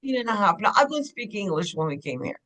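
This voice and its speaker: A woman's voice: medium pitch, sing-song, quick pace, a bit bright. A woman from Ukraine, candidly telling her life story as a guest on a podcast interview. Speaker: guest, clinic owner.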